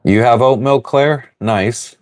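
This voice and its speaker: A man hosting a casual livestream from his sailboat, reading viewer comments aloud and rambling through relaxed answers. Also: mid-range voice, slow pace. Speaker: livestream host answering chat. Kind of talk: casual live chat. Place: on board a sailboat.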